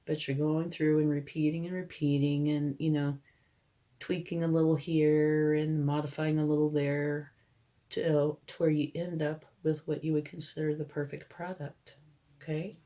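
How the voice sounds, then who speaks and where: A woman with a hoarse voice from a cold, giving a tarot card reading in a relaxed, reassuring way and often checking in with the listener. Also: low voice, moderate pace. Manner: reassuring, explains each card to the viewer and checks in with "okay?". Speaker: tarot reader. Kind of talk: tarot card reading, casual spoken explanation.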